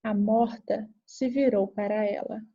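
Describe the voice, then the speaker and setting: Woman reader, slow and mellow, calm narration, dull lo-fi sound. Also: mid-range voice. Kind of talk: slow scripted reading of a therapy session.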